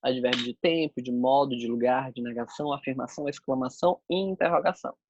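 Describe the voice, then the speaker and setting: A man with a gravelly, slightly husky voice teaches a class. He explains step by step as he shows each sign, and the recording is dull and a bit lo-fi with a dry sound. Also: mid-range voice, quick pace, no room sound. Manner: explains step by step while demonstrating signs.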